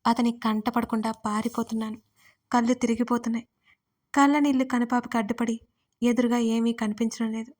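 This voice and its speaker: A woman tells a heartfelt story in the first person, with a slightly high, fairly even voice. Her delivery is dramatic and emotional, like a serialized audio drama read by one storyteller.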